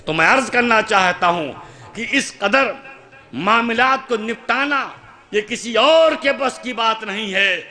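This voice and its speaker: A male preacher with a high, bright voice delivers an oratorical sermon at an outdoor religious gathering. He guides listeners through chanted invocations. His tone is clear and carries forcefully. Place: outdoor conference in a mosque courtyard.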